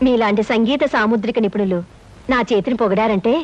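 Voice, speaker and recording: A woman playing a gentle polite housewife. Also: a little high, fast, close to an everyday voice. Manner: courteous, soothing. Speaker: film actor. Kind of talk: film dialogue. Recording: dull film soundtrack.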